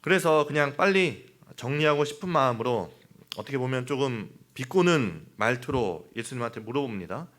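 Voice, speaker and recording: A man's voice: medium pitch, expressive, normal speed, a bit bright. A man preaching a midweek sermon, talking in a conversational way with rhetorical questions and small fillers. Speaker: pastor.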